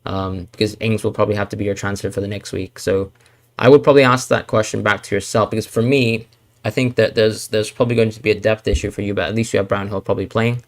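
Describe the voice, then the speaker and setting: His pitch is fairly low and his tone level as he talks fast on a live Q&A stream. The man, a fantasy football streamer from Hong Kong, responds to chat with lots of hedging, fillers and restarted sentences.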